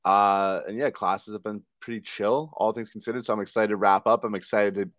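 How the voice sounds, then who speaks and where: A young man in his twenties, a guest on a casual podcast, relaxed and laid-back. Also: lowish voice, fairly quick, no room sound.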